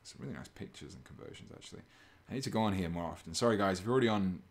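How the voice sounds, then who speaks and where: Male streamer, deep and even, relaxed chatty delivery at a painting desk. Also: rapid-fire. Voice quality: low, fairly monotone voice. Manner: relaxed, chatty, chuckles often, reads chat aloud. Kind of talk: casual live stream chat while painting.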